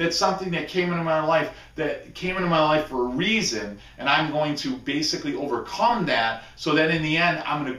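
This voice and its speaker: A man speaks at a high pitch in an animated tone. Audible room echo and noticeable background noise surround him. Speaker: chiropractor and life coach. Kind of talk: webinar talk. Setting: live webinar. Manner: fast.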